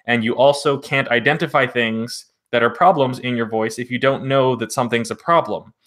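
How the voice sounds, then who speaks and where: A man's voice: medium pitch, fairly even intonation, moderate pace, fairly bright tone. A man who co-hosts as a vocal coach, explaining patiently with everyday examples in casual chat.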